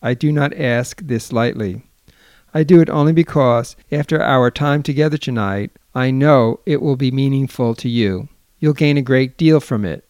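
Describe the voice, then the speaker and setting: A man's voice: mid-range voice, moderate pace, a little mellow, no echo, natural voice. A man doing a formal, courteous guide. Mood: earnest. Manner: formal, polite. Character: courteous male host, friend and guide.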